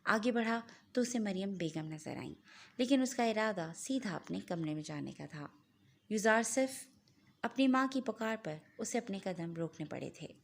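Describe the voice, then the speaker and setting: Steady dramatic woman narrator. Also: mid-range voice, moderate pace, vocal fry. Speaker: audiobook narrator. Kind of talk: scripted novel narration.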